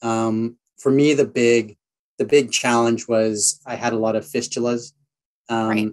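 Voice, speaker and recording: A man with a Canadian accent speaks at a medium pitch and a fairly slow pace, his intonation monotone and flat, against a quiet background. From Northern Ontario, Canada; Ontario, Canada. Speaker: brewing company founder; podcast guest. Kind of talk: interview conversation. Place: home room. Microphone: video call.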